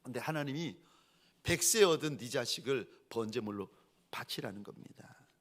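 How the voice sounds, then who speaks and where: A man preaching a sermon as a pastor, telling stories in an animated way and acting out the people he quotes. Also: medium pitch, normal speed.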